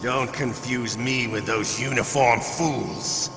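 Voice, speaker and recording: A slow, gravelly sadistic interrogator. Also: male voice, medium pitch, fairly even intonation. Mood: boastful, sadistic. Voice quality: creaky, gravelly. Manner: slow, menacing, boastful. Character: sadistic, proud Russian-trained male interrogator, theatrical villain. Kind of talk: dramatic video game voice acting. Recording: long reverb, loud background noise.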